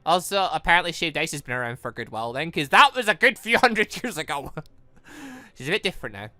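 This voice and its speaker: An excitable gaming host gushing, exclaiming and rambling through commentary on a visual novel, reading along as they play. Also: mid-range voice, quick pace, no echo. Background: music.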